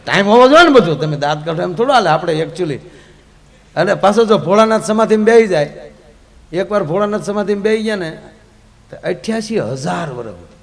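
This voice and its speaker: A man telling comic folk stories in a lively, jokey way, moving between loud outbursts and hushed asides. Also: high voice, brisk, gravelly. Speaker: folk storyteller.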